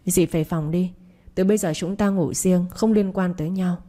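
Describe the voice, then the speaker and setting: Casting: woman reading a remorseful young man, curt and reproachful, low warm voice, storybook read. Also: fairly even intonation, moderate pace, lightly acted.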